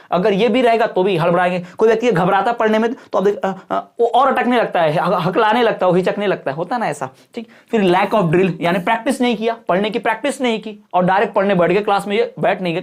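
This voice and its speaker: A young man teaching an exam-prep lesson, talking casually and teasing his students, and slowing down to dictate model answers. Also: high voice. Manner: chatty, scolding-friendly, addresses students as brother; slows down to dictate English answer lines.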